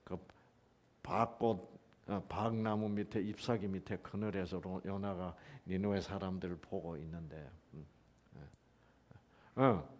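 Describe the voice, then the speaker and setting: A man's voice: low-pitched, fairly even intonation, slow pace, pauses often. A man retelling a Bible story as a lecture, firing off rhetorical questions to his listeners. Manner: keeps asking rhetorical questions. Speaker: health lecturer teaching the Bible.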